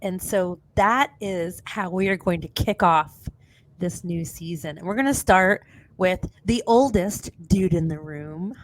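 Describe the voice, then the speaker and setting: A woman's voice: fairly low pitch, measured pace, dry recording, rough recording. Sniffly, sweary woman podcast host. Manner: blunt, sweary. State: sniffly with a cold. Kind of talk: casual podcast chat.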